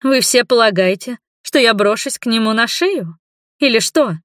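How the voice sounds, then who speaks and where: Woman doing a high, loud, tearful daughter yelling at her dad, dry close sound. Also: sing-song, slow pace, no room sound, heavily acted. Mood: angry shouting. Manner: shouting, tearful, accusing. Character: young woman, bitter angry daughter.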